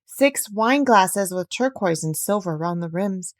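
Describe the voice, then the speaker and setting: A woman reading a children's story aloud as expressive scripted narration. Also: mid-range voice, unhurried, no room sound, clean studio sound. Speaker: audiobook reader.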